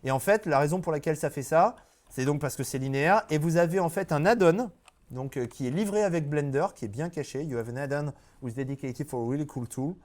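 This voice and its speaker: Bilingual man teaching a software class. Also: fairly high pitch, a little fast. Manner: switches between French and English, checks on the class often. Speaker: 3D software instructor. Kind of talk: live classroom software tutorial. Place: classroom with audience.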